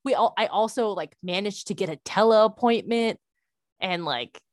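A young adult woman, a parent, telling a frustrating story in casual chat, animated and full of "like" fillers. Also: mid-range voice, normal speed, dry recording, studio quality.

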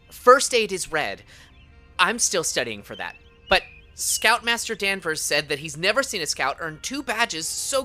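A woman's voice: medium pitch, sharp tone. A woman playing a prim, earnest and awkward teenage Boy Scout in a tabletop audio drama, formal and stammering.

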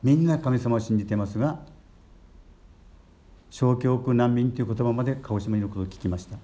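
An older man, a Catholic priest giving a gentle storytelling sermon and lifting his voice on key words. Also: medium pitch, fairly quick.

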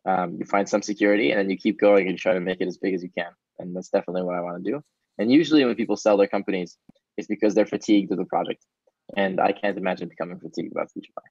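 Guy w hebrew as first language, lowish voice, chatty earnest answers, kinda dull dry sound. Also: steady tone, rapid-fire, darkish tone, husky, no echo. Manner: casual, earnest, with frequent ums. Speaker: startup founder. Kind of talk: interview answers.

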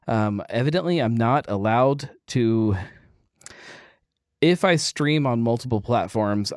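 A man's voice: mid-range voice, dry recording, clean studio sound. A man hosting a casual beer livestream, easygoing and rambling, with lots of fillers as he reads viewers' messages. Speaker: livestream host. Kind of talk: casual chat.

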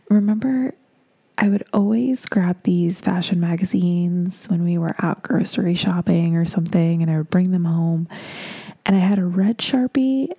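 Gravelly low-voiced woman podcaster. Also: warm tone. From Moldova. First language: Russian. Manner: chatty and rambling, with frequent likes and you-knows. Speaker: podcast host, makeup artist. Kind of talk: casual solo podcast monologue.

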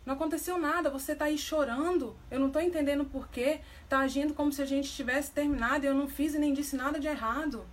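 A woman's voice: on the high side, normal speed, natural voice. A woman voicing a defensive, irritated husband, read aloud plainly in a Brazilian accent.

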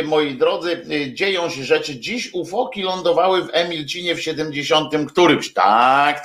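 A man hosting a live stream speaks at an unhurried, slow pace, his pitch sitting in an ordinary middle range. He rambles casually, stalling on filler sounds and restarting sentences, and slips in jokey asides to his viewers. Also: fairly bright tone. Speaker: livestream host.

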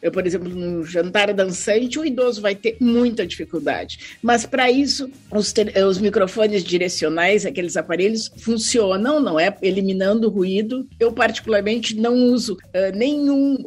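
A woman speaking as an expert guest on a podcast, explaining hearing care in a measured way. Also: medium pitch, husky. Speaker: audiologist guest.

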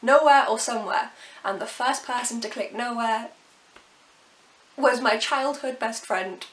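A woman in her twenties with a slightly softened received pronunciation accent, chatting casually to camera as a vlogger, laughing often and throwing in quick asides. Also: a little high, roomy sound. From England. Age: 20s.

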